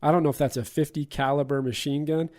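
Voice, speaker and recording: A man's voice: fairly high pitch, fairly even intonation, quick pace, a little mellow. A man hosting a casual movie podcast, retelling scenes and chuckling along. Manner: laughs while retelling scenes. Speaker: podcast host.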